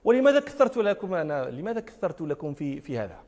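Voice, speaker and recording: A man's voice: fairly high pitch, very animated, quick pace, a little mellow, dull audio. A man giving an emphatic religious lecture, repeating key phrases and asking rhetorical questions. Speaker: religious scholar teaching a lesson. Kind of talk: lecture on recitation and jurisprudence. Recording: long hall reverb.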